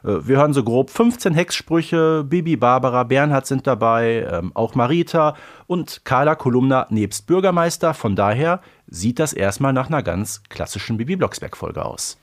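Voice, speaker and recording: A man co-hosting a podcast in casual chat, jokey and hesitant, with many pauses and fillers. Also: medium pitch, animated. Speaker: podcast co-host.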